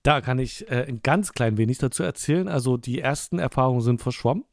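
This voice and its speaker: A man's voice: medium pitch, expressive, fast talker, gravelly, no echo, clean studio sound. A man in his forties co-hosting a casual film podcast, rambling and correcting himself as he talks. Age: 40s. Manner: rambling, self-correcting, amused. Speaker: podcast co-host.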